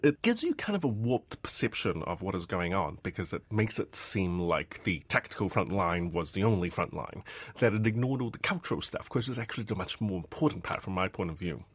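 A man from Hong Kong who works as a journalist, talking through an interview in a low, husky voice. He explains his points thoughtfully, and the sound is dry and close. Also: sing-song, fairly quick, dry recording. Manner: reflective, explanatory. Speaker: journalist guest. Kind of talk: interview answers.

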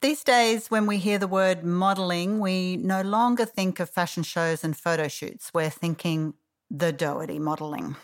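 A woman's voice: on the low side, moderate pace, soft background music. A woman, a features editor, explaining a story in an enthusiastic way. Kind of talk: explaining in conversation.

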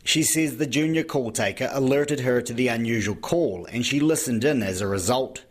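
New male court reporter, husky voice, even scripted news read. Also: medium pitch, moderate pace.

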